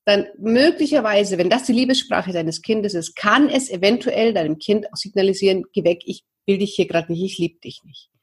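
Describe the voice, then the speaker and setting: A woman's voice: a little high, husky. A woman in her thirties giving a talk to parents, addressing the listener directly with many questions. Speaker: parenting coach. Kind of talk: talk on love languages for parents.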